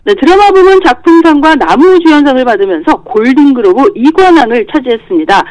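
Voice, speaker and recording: A woman delivering a lively entertainment news report on a radio show. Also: high voice, brisk, no echo, poor audio. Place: radio studio.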